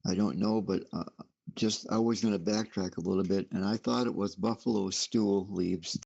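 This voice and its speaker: A man's voice: sits low, fairly even intonation, normal speed, gravelly, darkish tone, slightly rough. A man casually chatting and guessing answers as a contestant in a trivia game over voice chat. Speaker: quiz contestant. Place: online push-to-talk voice chat. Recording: dull lo-fi voice-chat audio.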